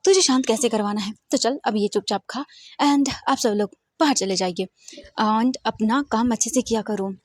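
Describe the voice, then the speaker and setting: A woman's voice: fairly high pitch, moderate pace, no echo, studio quality, natural voice. A woman voicing a bossy but caring young woman friend who scolds and stammers when caught out, in a storybook reading.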